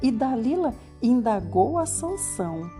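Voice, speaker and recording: Music plays in the background while a woman speaks. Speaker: Bible reader / audio Bible narrator. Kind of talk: Bible reading, devotional audiobook narration.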